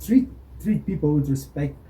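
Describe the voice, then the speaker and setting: A man's voice: a little high, animated, normal speed, mellow. A man hosting an interview, blunt and casual, swearing freely and speaking to viewers. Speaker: host.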